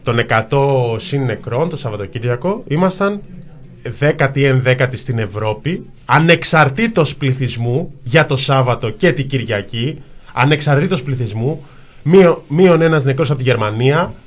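A man's voice: medium pitch, animated. A man co-hosting a political talk show, arguing insistently and piling up lists of examples. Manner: insistent, argumentative, piles up lists. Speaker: co-host. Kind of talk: casual political commentary.

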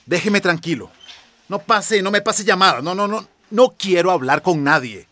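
A fed-up small-town mayor. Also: male voice, high voice, lively intonation, normal speed, pushed and bright, dry recording. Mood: exasperated. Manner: pleading on the phone, then frustrated muttering. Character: weary exasperated male small-town mayor. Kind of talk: radio drama acting.

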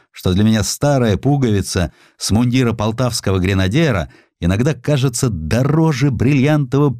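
A man performs an elderly merchant who collects antiques, speaking in an audiobook. His speech is folksy and heartfelt, full of humble pride. The pitch sits low but rises and falls freely, in a dry recording. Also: darkish tone, dry recording. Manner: folksy, heartfelt, old-fashioned turns of speech. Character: elderly provincial Russian merchant-collector, earnest, humbly proud.

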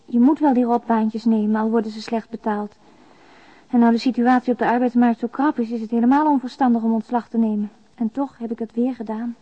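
A woman's voice: a little high, level tone, fairly quick, close to an everyday voice. An actress playing a despairing young single mother who confides in a plain, subdued way, as in a radio drama letter. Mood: weary, resigned. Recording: dull, lo-fi radio drama recording.

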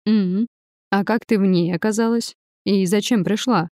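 A woman's voice: medium pitch, moderate pace, darkish tone, no room sound, close to an everyday voice. A woman reading the part of a smirking, blunt man who answers in short, dry replies in a spoken storybook. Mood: questioning.

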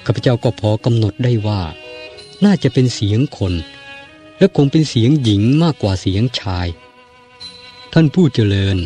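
A man reading a novel aloud as an audiobook narrator, in a measured and formal storytelling manner. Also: medium pitch, lively intonation, warm tone, faint music behind.

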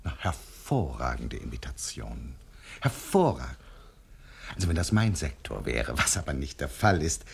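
An actor playing a wary, dry-witted jewel fence in a radio crime comedy, with a gravelly, husky voice and a hesitant, understated manner. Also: male voice, very deep voice, big pitch swings, normal speed, full character voice. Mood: dryly appraising. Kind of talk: 1970s German radio crime comedy acting.

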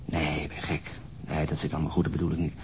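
Weary, low-voiced police detective. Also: male voice, monotone, darkish tone. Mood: dejected. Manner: weary, terse, halting. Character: exhausted, gloomy, duty-obsessed male police detective. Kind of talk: naturalistic radio drama acting. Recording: noisy radio drama recording with rumble.

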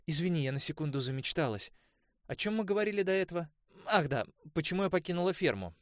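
A man's voice: on the high side, expressive, fast, no room sound, studio quality, voice pushed up, close to an everyday voice. A man voicing a tipsy, chatty young woman student who rambles in a raised voice. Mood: dreamy.

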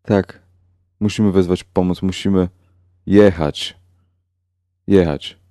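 A man voicing a panicked young man who shrieks in a high, strained, tearful voice. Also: fairly even intonation, slow, dark tone, dry recording, studio quality. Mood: urgent.

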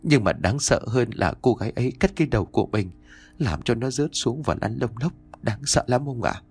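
A man's voice: medium pitch, moderate pace, breathy edge, faint music behind, close to an everyday voice. A man voicing a frightened middle-aged wife who pleads and stammers tearfully, in a raised voice.

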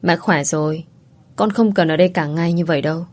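Woman reading as an ailing older mother, gentle, sighing, storybook, low voice. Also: brisk, natural voice.

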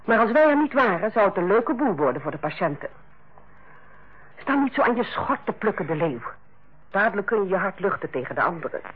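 An actress playing a stern, sarcastic head nurse who lectures and bites in a Dutch radio play. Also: female voice, medium pitch, sing-song, brisk, slightly rough. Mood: sarcastic, scolding. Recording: muffled old radio play recording.

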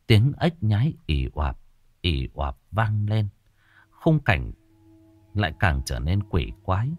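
A man narrating a ghost story in a dramatic, expressive way. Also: sits low, dry recording, studio quality.

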